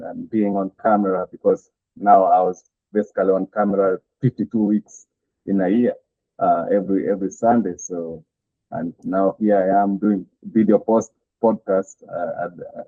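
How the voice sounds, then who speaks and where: A man's voice: on the low side, no room sound. Kenyan man with a tinny call sound. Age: middle-aged. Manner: halting, many "uh" fillers, chuckles between thoughts. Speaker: pastor. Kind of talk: interview guest telling his story. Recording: tinny phone-like call audio, dry.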